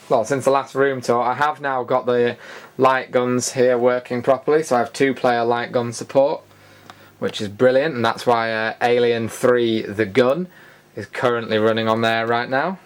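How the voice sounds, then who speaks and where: A man's voice: medium pitch, clean tone. A British man hosting a retro gaming show, casually narrating a room tour in an informal, rambling, enthusiastic way.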